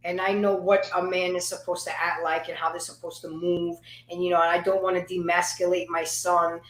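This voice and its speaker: A woman's voice: on the low side, level tone, a little fast, roomy sound, low-quality recording. A woman on a casual panel chat who talks emphatically, swears freely and stumbles over repeated words when she gets worked up.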